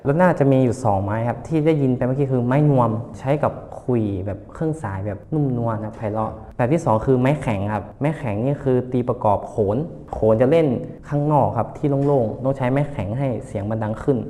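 A man's voice: mid-range voice, fast, few pauses, warm tone. A young man, a guest musician, answering interview questions in a polite, explanatory way. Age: young adult. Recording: long reverb.

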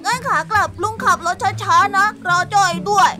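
A woman's voice: very high voice, normal speed, voice pushed up. A woman voicing a cheeky, talkative child nephew in a children's radio drama. The child argues back in a whiny, defensive way. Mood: sweet. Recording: music playing underneath.

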